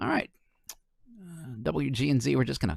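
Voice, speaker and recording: The recording is very clean, with a silent background. A man talks with vocal fry. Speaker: radio weathercaster and audio producer. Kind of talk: casual explanatory narration while working in audio software.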